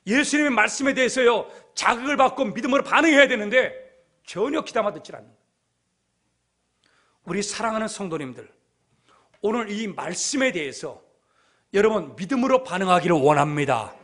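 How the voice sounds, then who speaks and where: A man pastor delivering a sermon, telling stories emphatically and swinging between quiet and loud delivery. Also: high voice, animated, fairly quick, long pauses.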